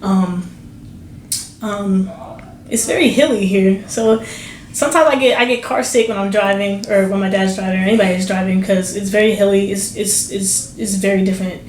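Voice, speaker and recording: A young woman from New Jersey talks through an interview, full of fillers and false starts. Her voice has a middle pitch. It carries some room echo with a faint hiss underneath. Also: fairly even intonation, normal speed, a little mellow. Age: young adult. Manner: rambling, many fillers and restarts. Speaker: basketball recruit. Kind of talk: casual interview.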